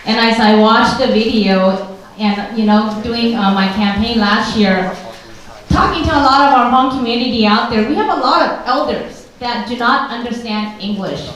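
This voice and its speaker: A woman giving an earnest, measured public speech to a community gathering, often pausing on fillers. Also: a little high, fairly bright tone. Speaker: community speaker at a press event. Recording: very echoey room, faint noise.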